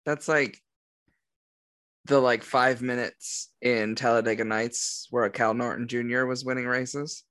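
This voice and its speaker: A young man co-hosting a podcast, joking through quick, casual banter over a call. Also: medium pitch, steady tone, a bit bright, clean tone, dry recording. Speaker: podcast co-host. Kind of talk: casual chat.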